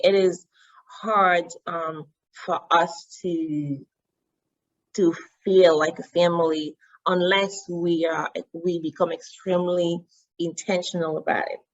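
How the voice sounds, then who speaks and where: A woman from Cameroon with a Cameroonian accent, her first language Yemba, telling her story as an interview guest in an animated way with frequent restarts. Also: lowish voice, takes it slowly. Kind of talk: interview conversation. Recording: dull lo-fi sound.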